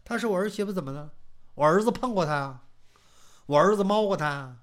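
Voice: medium pitch, expressive, a little fast, natural voice. A storyteller doing a coarse, greedy old man. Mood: scheming. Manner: coarse, bullying, swearing. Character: greedy lecherous old father-in-law.

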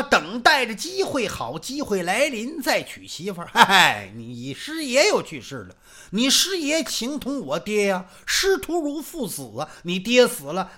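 A man voicing an earnest, long-suffering middle-aged martial arts master in traditional Chinese storytelling, declaiming loudly. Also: sits high, heavily acted.

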